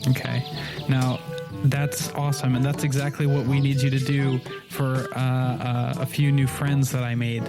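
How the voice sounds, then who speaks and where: A man's voice: medium pitch, flat delivery, normal speed, loud music behind the voice. A man playing a tabletop roleplaying game, improvising in-character chat in a hesitant, joking way that repeats words.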